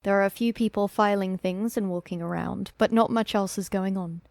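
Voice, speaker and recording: Female scene narrator for audio drama, read by a woman: matter-of-fact, medium pitch, dry recording. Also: steady tone, normal speed, gravelly, a little mellow, no room sound, close to an everyday voice. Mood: neutral. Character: neutral female scene narrator reading stage directions. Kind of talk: scripted narration.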